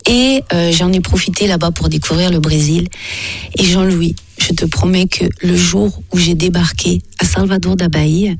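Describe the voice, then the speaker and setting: A woman's voice: fairly low pitch, moderate pace, slightly rough, dry recording, faint music behind. A woman singer, born in France with Portuguese as her first language, recounting her life story thoughtfully with frequent hesitations. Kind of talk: personal interview storytelling.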